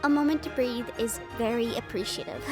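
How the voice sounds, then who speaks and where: A woman's voice: fairly high pitch, normal speed, over loud music, close to an everyday voice. A woman playing an affectionate, spirited young Latina hunter in an intimate audio roleplay, speaking expressively and chattily to her beloved. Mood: wistful, affectionate. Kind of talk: intimate scripted audio roleplay addressed to the listener.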